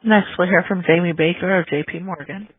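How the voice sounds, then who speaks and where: A man's voice: sits high, fairly even intonation, fairly quick, slightly rough. A man acting as conference call operator, making formal announcements to introduce the next caller. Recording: narrow dry phone line.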